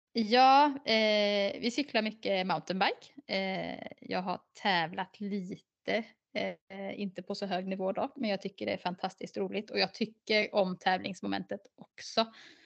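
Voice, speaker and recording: A woman talks at a fairly slow pace with hardly any pauses, a medium pitch and vocal fry. Her pitch varies in an ordinary way over a quiet background. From Småland, Sweden (near Halland border). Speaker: accountant, business owner. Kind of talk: casual interview.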